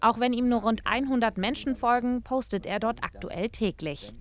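A woman narrating a scripted regional news report in an even, measured way. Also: fairly high pitch.

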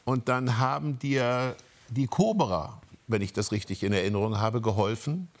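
A man's voice: medium pitch, normal speed, darkish tone. A man moderating a panel talk, asking long, winding, probing questions. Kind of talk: panel interview.

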